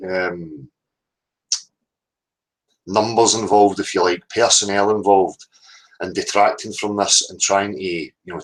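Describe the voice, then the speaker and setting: Ranting unscripted on a livestream, a Scottish man is blunt, insistent and confrontational, swearing heavily and ending points with "right?". He has a fairly low pitch with a bit of brightness, on a rough recording.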